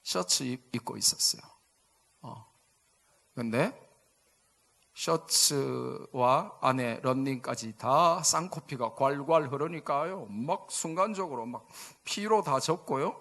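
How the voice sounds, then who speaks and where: A man's voice: medium pitch, slow, creaky. A man in his fifties with a Busan accent, a pastor telling a funny story in a sermon and drawing replies from the congregation. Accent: Busan Gyeongsang dialect. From Busan, South Korea. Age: 50s. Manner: animated, jokey, asks the congregation for replies. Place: church sanctuary.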